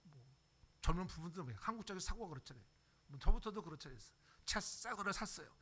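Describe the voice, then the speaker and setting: A man's voice: sits high, animated, quick pace, bright, forceful tone, breathy edge. An older man preaching a sermon as pastor, acting out everyday voices and checking in with the congregation. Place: church sanctuary.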